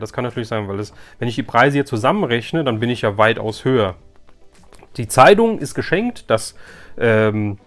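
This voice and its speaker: Guy doing a casual youtube vlog, average pitch, rambly and off the cuff, talking right to viewers, bit of quiet music behind. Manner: rambling, colloquial, thinking aloud, addresses viewers directly. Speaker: YouTube host reviewing an unboxed loot box.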